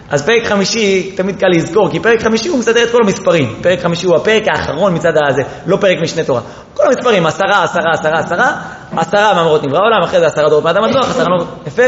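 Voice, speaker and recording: A man giving an impassioned Torah lecture, moving from quiet explanation to rising, pleading exclamations and often restarting his sentences. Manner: apologizes for being disorganized, restarts often. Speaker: Torah teacher. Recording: echoey hall, dull lo-fi sound with faint rumble.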